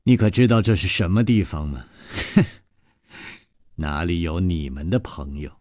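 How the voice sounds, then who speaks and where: A male storyteller voicing a haughty, menacing woman in white who speaks low and quietly. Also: expressive, a little slow, no room sound, studio quality. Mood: cold. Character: cold haughty woman in white, sect leader.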